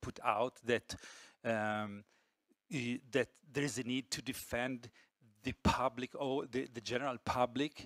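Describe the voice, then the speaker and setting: With an Italian accent, a man speaks at a medium pitch and a fairly slow pace, leaving long, frequent pauses. The sound is dry and close, with no echo. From Italy. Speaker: documentary film director and professor. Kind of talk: panel discussion.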